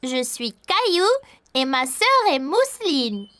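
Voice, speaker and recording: A performer voicing an excitable, playful little boy in a children's cartoon. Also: high voice, slow pace, heavily acted. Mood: cheerful. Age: young child character. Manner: playful, wide-eyed, exclaiming. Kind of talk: cartoon voice acting.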